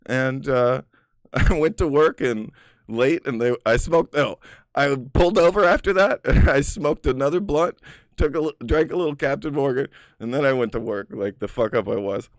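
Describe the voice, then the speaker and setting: A man's voice: mid-range voice, moderate pace, no echo, studio quality. A man casually telling personal stories in a rambling, profane way, full of filler words. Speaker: storyteller.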